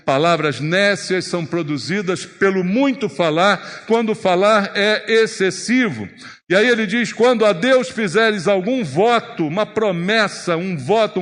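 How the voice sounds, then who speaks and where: A man with a Brazilian Portuguese accent preaching a sermon in a church, emphatic and animated, with strong rises and drops for emphasis. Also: fairly high pitch. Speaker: pastor. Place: church sanctuary. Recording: long church reverb.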